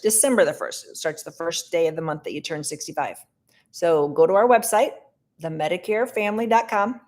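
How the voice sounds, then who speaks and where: A middle-aged woman hosting a casual live Q&A, answering viewer questions in a brisk, direct way. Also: mid-range voice.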